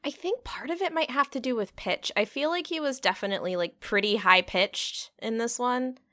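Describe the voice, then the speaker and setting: A woman's voice: on the high side, normal speed, sharp tone. A young woman co-hosting a casual anime review podcast, speaking easily with hesitant fillers. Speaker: podcast co-host.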